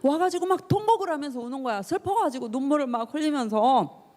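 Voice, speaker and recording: A woman youth pastor preaching to teenagers speaks at a quick pace in a high-sitting, animated, slightly mellow voice. She tells the story emotionally, voices the people in it, and asks her listeners questions directly.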